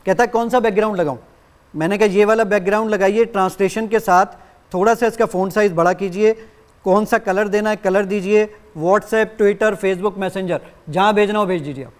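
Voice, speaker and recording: A man appearing as a guest on a TV show, demonstrating his app in lively detail and acting out both sides of his exchanges with it. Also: high-pitched. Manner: animated explainer who acts out exchanges with the app.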